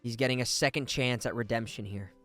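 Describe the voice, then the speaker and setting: A man's voice: mid-range voice, a little fast, fairly bright tone. A man giving casual, enthusiastic livestream commentary on a video game, tossing in slangy asides. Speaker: game streamer, voice actor. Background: faint game music.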